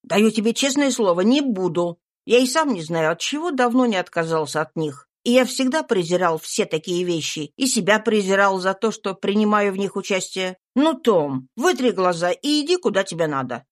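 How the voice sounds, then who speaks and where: A woman doing a lively young gentleman master. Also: medium pitch, normal speed, hardly any pauses, close to an everyday voice. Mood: soothing earnest. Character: young wealthy male master, lively and teasing.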